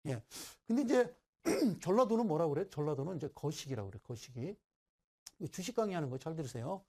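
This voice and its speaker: A man's voice: a little high, very animated, a little fast, darkish tone. A middle-aged man giving a broadcast stock-investing lecture, who keeps asking listeners "right?" and teases them.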